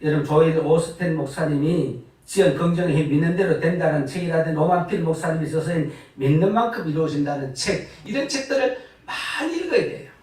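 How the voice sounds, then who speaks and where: A retired pastor, preaching a lively sermon full of laughing asides and sudden loud bursts. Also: male voice, on the high side, brisk, few pauses. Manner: animated, laughing storytelling with sudden loud rises. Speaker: guest pastor. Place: church sanctuary. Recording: echoey church from far off.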